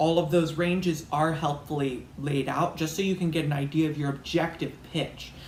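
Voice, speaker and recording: Somewhat breathy and very deep, low in pitch, a woman talks at a moderate pace with ordinary pitch variation and audible room echo. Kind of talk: tutorial. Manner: soft-spoken.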